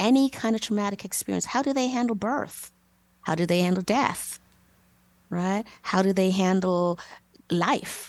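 Pausing long and often, a woman speaks in a calm tone at medium pitch with ordinary pitch variation. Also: moderate pace. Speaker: therapist. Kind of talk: interview.

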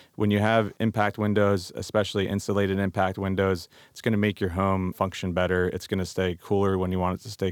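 Very deep and low in pitch, this man speaks at a very fast pace in a monotone, flat intonation. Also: very clean recording, silent background. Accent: American. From South Jersey, near Philadelphia. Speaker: building materials sales director. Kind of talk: casual interview.

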